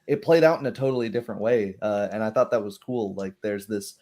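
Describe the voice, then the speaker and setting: A man's voice: fairly low pitch, fairly quick, dark tone. A man chatting casually about tabletop games, acting out little asides as he explains. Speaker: tabletop roleplay show host.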